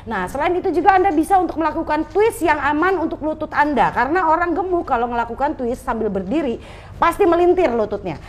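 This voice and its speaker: High-pitched Indonesian woman, infomercial pitch. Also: expressive, quick pace. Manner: persuasive, urging, addresses viewers repeatedly. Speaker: home shopping presenter.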